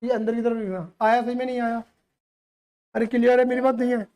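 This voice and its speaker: A man's voice: extremely high pitch, little pitch movement, quick pace, darkish tone, clear, resonant tone. Playful man quizzing his students. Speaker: accountancy teacher. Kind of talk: live class teaching students.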